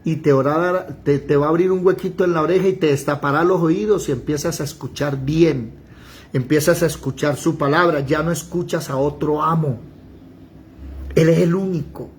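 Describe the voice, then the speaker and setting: A man teaching a Bible study, firing rhetorical questions and breaking into shouted pleas. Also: on the high side, normal speed.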